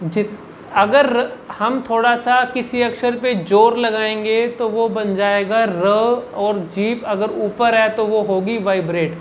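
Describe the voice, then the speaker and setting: A man's voice: high voice, steady tone, slow, a little hiss or hum, rough recording. A man working as a speech coach, answering viewer questions in an instructional video and demonstrating each sound by repeating syllables and words. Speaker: speech and public speaking coach.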